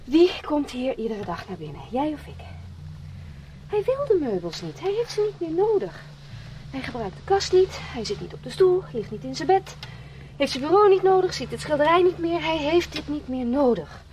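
An actress playing a determined, impatient young sister who gives curt, insistent orders in a radio play. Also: female voice, high-pitched, big pitch swings, normal speed, a little mellow, a little hiss or hum, low-quality recording.

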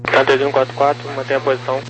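A man, an air traffic controller, giving brisk clipped instructions heard over a two-way aviation radio. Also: medium pitch, monotone. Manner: terse, brisk radio calls.

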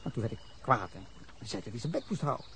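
This is a full character voice: medium pitch, very animated, a little fast, pushed and bright, with a husky quality. The actor, performing in a Dutch radio drama, plays a defensive middle-aged man rambling indignantly to police about a drunken fight. Anger breaks through in bursts.

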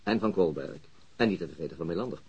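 An actor playing a dry, disillusioned police detective in a radio drama, politely ironic and deadpan. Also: male voice, a bass voice, quick pace, creaky, husky, muffled recording, full character voice. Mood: guarded, dry.

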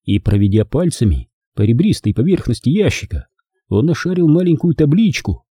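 A man narrating an audiobook in a lively, expressive storytelling manner. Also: mid-range voice, moderate pace, breathy edge, no echo, studio quality. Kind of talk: scripted narration.

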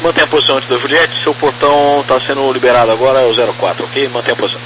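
A Brazilian man works as an air traffic controller over the radio. His mid-pitched voice gives procedural instructions. The transmission carries clear hum and noise. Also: steady tone, racing. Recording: noisy aviation radio with hum.

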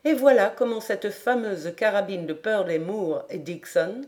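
A woman reading a classic novel aloud as an audiobook narrator, slow and measured. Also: medium pitch, darkish tone. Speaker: audiobook reader.

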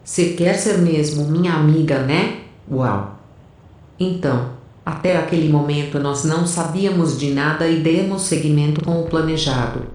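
A woman's voice: deep voice, normal speed, a little mellow, slight background noise, close to an everyday voice. A woman playing a brash, cocky rebel soldier in an audio drama, speaking in a slangy, self-assured way. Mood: sassy. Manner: colloquial, sassy, self-assured. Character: brash, cocky, foul-mouthed female rebel soldier telling her tale. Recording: very echoey room.

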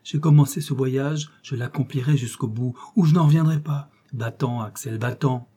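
A man's voice: mid-range voice, fairly even intonation, normal speed, dark tone, close to an everyday voice. A man voicing a fierce, stubborn elderly professor who speaks with rising urgency, in a storybook reading. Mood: stern insistent.

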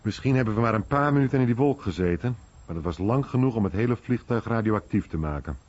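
A man's voice: lowish voice, expressive, quick pace, darkish tone. A man doing a storytelling voice-over of a veteran's memories for a radio documentary. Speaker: voice-over translator. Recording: dull, muffled radio recording.

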